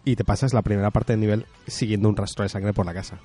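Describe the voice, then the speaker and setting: A man from tells gaming stories on a casual podcast. He talks quickly in a warm, mellow, fairly low voice. His delivery is animated, with casual swearing. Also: soft background music. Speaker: podcast co-host. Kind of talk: casual chat about video games.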